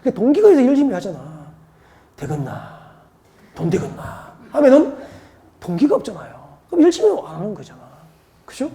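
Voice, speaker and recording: A woman's voice: high-pitched, wildly swooping pitch, fast talker, mellow. A woman from Seoul giving an exam-prep lecture, firing rhetorical questions and drilling mnemonics by repetition. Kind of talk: classroom lecture.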